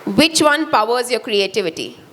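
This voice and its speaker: Female event host, Indian accent, high voice, short rapid-fire questions, over loud room noise. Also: very animated. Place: indoor event hall. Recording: noisy hall background.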